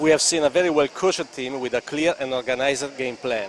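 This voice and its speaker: A man talking at a fairly quick pace with ordinary pitch variation, against noticeable background noise. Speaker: color commentator. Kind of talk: live commentary. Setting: broadcast booth.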